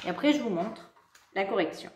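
A woman's voice: mid-range voice, expressive, a little fast, echoey room, noisy background. A woman teaching a music theory lesson to young children, explaining patiently, counting beats and singing note names. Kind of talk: online music lesson for kids.

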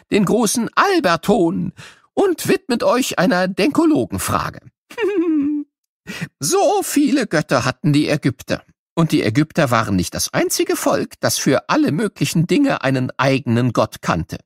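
A man's voice: high voice, no echo, clean studio sound, pitched above the performer's own voice, exaggerated voice. A man voicing an eccentric, jokey old professor who playfully teases and quizzes children in an educational audio play. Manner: playful, teasing, full of questions and chuckles.

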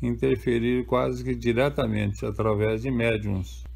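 Older Brazilian man, gravelly calm voice. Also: medium pitch, a little slow. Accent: Brazilian Portuguese. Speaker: author interviewed. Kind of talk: measured spoken answers.

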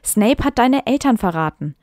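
Here is an anxious, clever teenage girl wizard, read aloud by a woman in a storybook voice. She warns earnestly and urgently, pitched a bit higher than normal talk. The sound is dry and close. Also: lively intonation, moderate pace, darkish tone, no room sound. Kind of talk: reading aloud from fan fiction.

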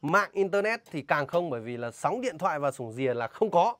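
A man with a northern Vietnamese accent vlogs casually outdoors, speaking fairly quickly in a fairly high, fairly bright voice. Very animated, he warns emphatically and indignantly about a scam while interviewing a local. The recording has no room sound.

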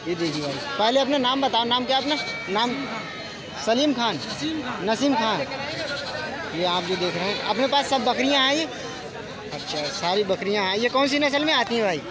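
A man, vlogging at an outdoor livestock market and quizzing sellers on their prices in a brisk, chatty way. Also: sits high, lively intonation. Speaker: vlogger interviewing goat sellers. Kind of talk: casual on-the-spot questioning and commentary. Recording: loud market crowd behind.

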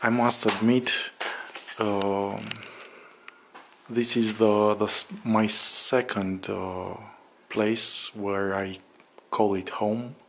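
A man narrates a casual vlog in a low voice with a lot of fry. He speaks very slowly and hesitantly, pausing often. He is recorded indoors on a handheld camera, with some background noise. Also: flat delivery, fairly bright tone. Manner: halting, hesitant delivery with drawn-out pauses. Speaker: vlogger. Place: bare room under renovation, indoors, windows open.

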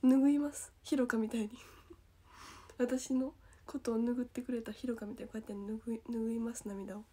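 A young woman with a Kansai accent chatting casually on a livestream, reading comments aloud, giggling often and sometimes dropping to a soft whisper. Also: high-pitched. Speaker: idol livestream host.

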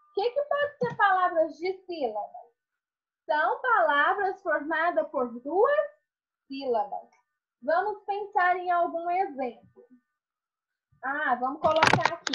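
A primary school teacher reviewing a lesson for her pupils in an online class, slowly asking questions and then answering them herself. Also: high voice, dull audio.

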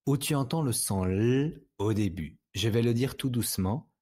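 A man with a French accent teaching young children to read, saying each sound slowly and patiently. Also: medium pitch, mellow, slightly rough. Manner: patient, speaks words slowly and distinctly. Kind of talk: slow, clear reading lesson for young children.

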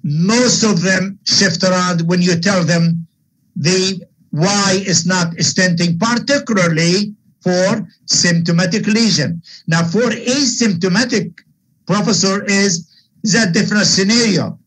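Older male surgeon-lecturer, Arab American accent. High, husky voice, emphatic and opinionated in Q&A. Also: takes it slowly, a bit bright, low-quality recording. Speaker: guest lecturer, vascular surgeon. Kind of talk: webinar question and answer.

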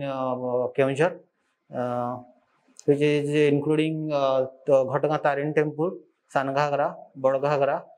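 A young man from eastern India with an Odia Indian accent, giving halting, deferential answers as an interview candidate. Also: mid-range voice, a little mellow. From Odisha, India. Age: young adult. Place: indoor studio, seated. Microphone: lapel.

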